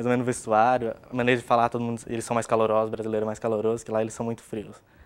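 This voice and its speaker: The man speaks at a very fast pace with a medium pitch. His intonation stays monotone and flat. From Brazil (Paraná), raised in Portugal from age 9. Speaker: engineering student. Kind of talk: interview. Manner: casual, uses many fillers.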